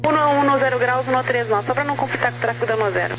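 Male tower controller, Brazilian accent, very high pitch, quick radio phraseology over a noisy channel. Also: vocal fry, a bit bright, faint music behind. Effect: radio transmission. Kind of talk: rapid air traffic radio instructions.

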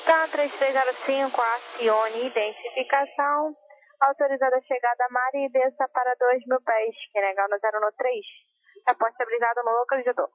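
A woman with a Brazilian accent giving clearances over the radio as an air traffic controller. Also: on the high side, steady tone, brisk, no echo. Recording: dull narrow radio channel.

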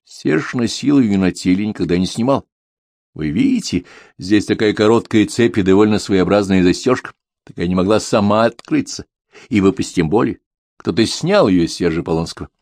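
A man voicing a calm, blunt middle-aged detective in an audiobook, speaking in a cool, measured way. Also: fairly low pitch, dry recording, studio quality. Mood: probing.

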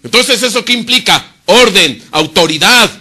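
Guy preaching, kinda high pitched, asks questions and answers himself, drops real quiet sometimes. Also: lively intonation, moderate pace. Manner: swings between loud emphasis and quiet, low asides. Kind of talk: sermon.

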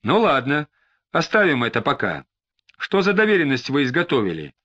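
A man voicing a calm police detective who questions steadily, with faint disdain. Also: medium pitch, exaggerated voice. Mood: probing. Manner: measured questioning, faintly squeamish. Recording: slightly dull lo-fi recording.

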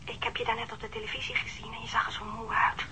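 An actress playing a lonely, anxious wife in a radio drama, hesitant, apologetic, tender and pleading. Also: female voice, on the high side, monotone, fast talker, background noise, natural voice. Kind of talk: naturalistic radio drama acting.

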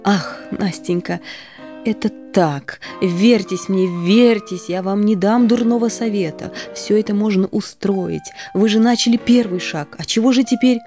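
A woman puts on a timid young man, dropping her voice lower and quieter to sound shy and coaxing. His words come slowly and earnestly in a warm, mellow storybook reading over faint music. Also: close to an everyday voice. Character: timid young man, dreamy and eager to help. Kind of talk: audiobook reading.

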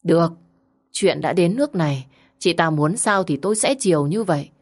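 Woman narrator, lower register; steady dramatic story reading. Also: moderate pace, husky. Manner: steady, dramatic first-person telling.

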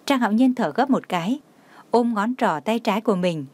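A woman narrating a romance story in a steady, even audiobook reading. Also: fairly high pitch, a little fast, dry recording.

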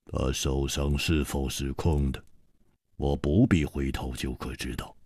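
A man voicing a cold, menacing swordsman in a black robe, speaking slowly and quietly in a storytelling performance. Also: rumbling low, fairly even intonation, no room sound, studio quality, pitched below the performer's own voice, exaggerated voice. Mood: cold menace. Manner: icy, slow, threatening.

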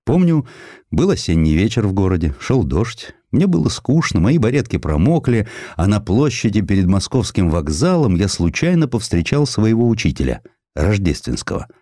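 Deep-voiced, expressive male storyteller. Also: moderate pace, dry recording, studio quality. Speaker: audiobook narrator. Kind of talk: scripted literary narration of a historical essay.

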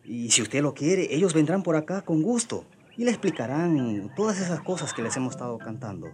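An actor playing a respectful, earnest indigenous travelling merchant in a radio drama, reciting persuasively. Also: male voice, fairly high pitch, very animated, fairly quick, a little mellow.

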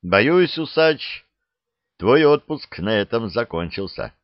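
A man reading the part of a space legion captain who asks careful, measured questions. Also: mid-range voice, sing-song, dry recording, lo-fi sound. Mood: probing. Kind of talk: audiobook character reading.

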